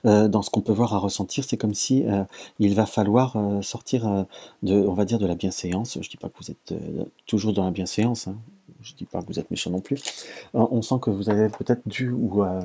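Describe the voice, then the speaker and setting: Male tarot reader, low mellow husky voice, halting and self-correcting delivery. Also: fairly even intonation. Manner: hesitant, stammers and restarts often. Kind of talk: casual tarot reading to camera.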